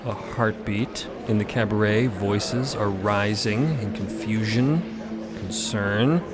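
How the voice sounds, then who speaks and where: A man's voice: lowish voice, slow. A man narrating a scripted audio drama in a dramatic storytelling style. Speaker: podcast narrator. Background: loud music.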